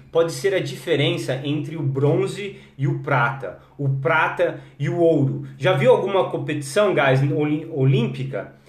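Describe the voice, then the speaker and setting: Energetic man, bilingual live lesson, echoey. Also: a little high. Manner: energetic, mixes English and Portuguese, greets viewers by name. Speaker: English teacher. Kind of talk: live-streamed English lesson.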